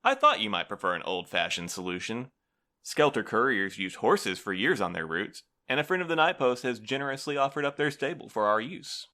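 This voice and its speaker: An actor playing a prim, officious postal supervisor in an audio drama, formal, polite and unflappable. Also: male voice, mid-range voice, sing-song, a little fast, pushed and bright. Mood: officious, bland. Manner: formal, bureaucratic, smoothly evasive.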